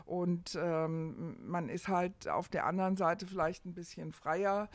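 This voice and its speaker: A middle-aged woman telling stories as an interview guest, pausing and hesitating as she explains. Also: lowish voice, no room sound. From Germany. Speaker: interview guest, family hotel owner. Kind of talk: conversational interview storytelling.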